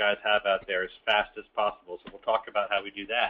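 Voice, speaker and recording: A man talking at a fairly quick pace. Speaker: webinar presenter on dealer marketing. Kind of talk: webinar presentation. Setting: online webinar. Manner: fast; casual, conversational.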